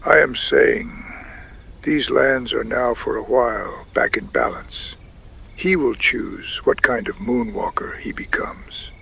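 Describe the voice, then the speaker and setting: A man playing a wise, solemn Native tribal chief in a frontier audio drama, speaking gravely with a breathy, gravelly voice that often drops to a whisper. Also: medium pitch, a bit bright, exaggerated voice. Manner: slow, measured, grave pronouncements.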